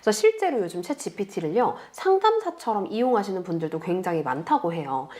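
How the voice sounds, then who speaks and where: A woman teaching beginners step by step in a calm, patient screen tutorial, speaking close to the mic. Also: mid-range voice. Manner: patient, explains slowly to beginners. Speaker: online tutor.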